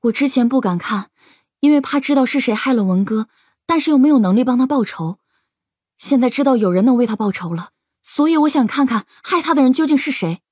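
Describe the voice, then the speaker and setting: A woman's voice: high voice, lively intonation, a little fast, darkish tone, husky, dry recording, studio quality. A woman playing an earnest, guarded, grieving young woman in an audio drama. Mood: sad, earnest.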